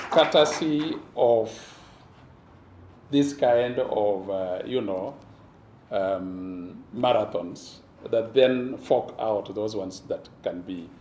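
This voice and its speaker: Hoarse man giving a slow speech. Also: lowish voice, warm tone, slight background noise. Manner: slow, pausing, audience-engaging. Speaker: government official giving a speech. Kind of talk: formal public speech. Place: event venue. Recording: echoey room with faint ambience.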